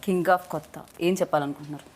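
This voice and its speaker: Fast-talking woman host. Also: sits low, steady tone, a little mellow, husky. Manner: mixes Telugu and English, brisk and chatty. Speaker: interviewer. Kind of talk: casual chat.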